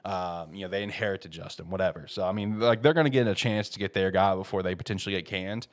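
A man's voice: low voice, fast talker. A congested man with a head cold hosting a casual sports talk show, rambling with many fillers and restarts and bursting into emphatic peaks. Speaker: podcast host.

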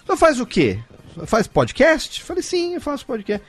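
Podcast host, man from Brazil, high lively voice, animated storytelling, faint music under. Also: moderate pace. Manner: animated, acts out both sides of a dialogue. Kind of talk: casual storytelling among friends.

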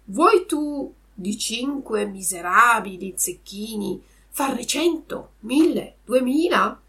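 A woman voicing a sly, smooth-talking lame male fox who coaxes the puppet. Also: a little high, lively intonation, slow pace, fairly bright tone, recorded from a distance. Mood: wheedling.

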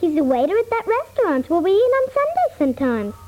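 A woman's voice: very high voice, very animated, quick pace, over music. A female performer playing a small, blunt, playful daughter in a 1950s radio comedy, childlike and matter-of-fact. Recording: muffled, noisy old radio recording.

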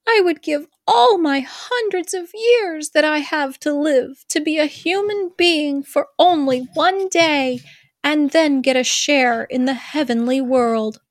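A woman's voice: high-pitched, slow, no echo, clean studio sound, pitched above the performer's own voice. Woman playing a yearning young mermaid. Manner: earnest, pleading storybook delivery. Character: wistful young mermaid girl, yearning and sad.

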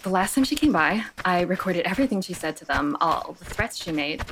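A woman's voice: on the low side, expressive, fairly quick, fairly bright tone, slight background noise. An actress playing an urgent, determined young woman on the run in a sci-fi audio drama. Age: young adult.

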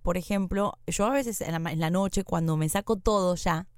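A woman's voice: on the low side, normal speed, no echo, studio quality. Teasing Rioplatense woman podcaster. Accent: Rioplatense Spanish. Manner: playful, teasing, lively. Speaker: podcast co-host. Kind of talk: casual podcast chat.

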